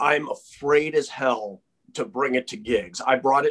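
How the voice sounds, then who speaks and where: The speech comes at a fairly slow pace, with lively intonation and an American accent. The sound is dry and close, with no echo. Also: man. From California, San Francisco Peninsula. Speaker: surf rock guitarist. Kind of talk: casual interview.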